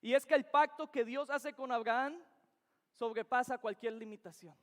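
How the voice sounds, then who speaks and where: A man's voice: very high voice, moderate pace. A young man preaches. He speaks in earnest, emphatic bursts and keeps circling back to his key phrases. The sound carries the long reverb of a church sanctuary. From Venezuela. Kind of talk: sermon.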